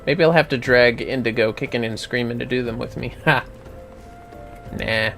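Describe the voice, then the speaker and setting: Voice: medium pitch, normal speed, a bit bright. A streamer casually commenting on an online fantasy game, muttering to themself and swearing lightly. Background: game music.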